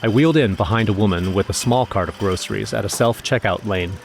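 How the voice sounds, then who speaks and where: Casting: wry, nervous everyman narrator, lowish voice, scripted horror audio drama storytelling. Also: fast, gravelly, a little hiss or hum. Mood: wry, uneasy.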